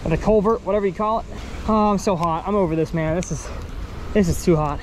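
With a high voice and a quick pace, a man from Texas chats casually through a fishing vlog beside an outdoor pond. He's upbeat and talkative, thinking out loud while he fishes, and faint ambient noise comes through the outdoor recording.

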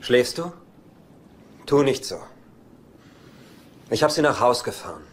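A man's voice: mid-range voice, very animated, slow. An actor playing a laid-back, flippant womanizing uncle in dubbed sitcom dialogue. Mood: wry, casual. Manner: flippant, wry. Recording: TV soundtrack with faint background noise.

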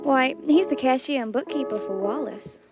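A woman's voice: high voice, normal speed, over music. A woman playing a businessman's doubtful, anxious wife in a 1930s-style radio drama. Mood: polite.

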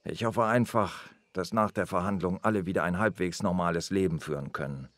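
An actor playing a weary but tender police inspector in a radio crime drama, speaking calmly and gently. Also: male voice, sits low, a little fast, no echo, clean studio sound. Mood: gentle. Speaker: inspector Anton Jäger.

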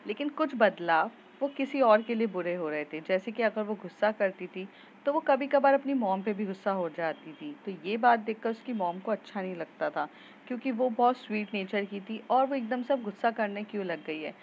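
A woman's voice: mid-range voice, lively intonation, normal speed, dull audio, a little hiss or hum. A woman narrating a love story in a chatty, casual way, with fillers and restarts.

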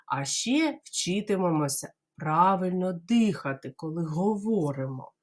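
A Ukrainian woman teaching small children to say words clearly, modelling them slowly syllable by syllable and imitating bird calls. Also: lowish voice, expressive. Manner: slow, exaggerated syllable-by-syllable modelling; playful bird-call imitations. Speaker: kindergarten teacher. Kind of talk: speech lesson for small children.

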